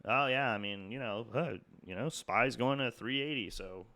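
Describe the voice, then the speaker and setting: A man's voice: medium pitch, moderate pace, bright, forceful tone, no echo. A young man with a stuffy, congested nose from a cold, casually talking through stock charts with lots of fillers and restarts. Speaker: market analysis YouTuber. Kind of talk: casual trading chart talk.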